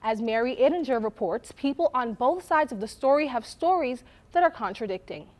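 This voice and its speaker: Woman news anchor, slightly high voice. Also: expressive, brisk, darkish tone. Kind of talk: scripted news reading. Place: TV news studio anchor desk.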